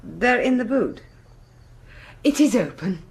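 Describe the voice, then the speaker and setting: An actress playing a genteel, expressive wife with an English accent and a breathy, husky voice in a 1980s radio drama. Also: female voice, medium pitch, takes it slowly, heavily acted. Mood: gracious.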